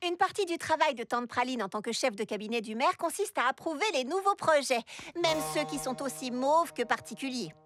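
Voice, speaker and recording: A woman voicing a kind, sensible, earnest little girl heroine in an animated cartoon. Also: high voice, brisk. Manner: earnest, expressive, caring. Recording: music underneath.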